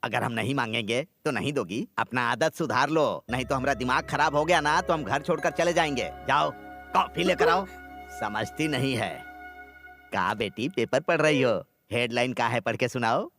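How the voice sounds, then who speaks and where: Man voicing a gravelly bossy husband. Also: medium pitch, moderate pace, fairly bright tone, soft background music, natural voice. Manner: grumbling, demanding, comic bluster. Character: bossy, lazy middle-aged husband and father. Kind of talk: Hindi film dub.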